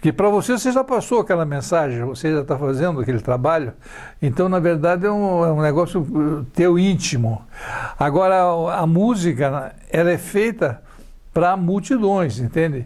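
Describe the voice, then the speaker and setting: Lively in intonation, a man talks with a high pitch. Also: moderate pace, very even loudness. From northern Paraná, Brazil. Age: 70s. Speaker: musician. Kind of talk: testimony interview. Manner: halting with repetitions.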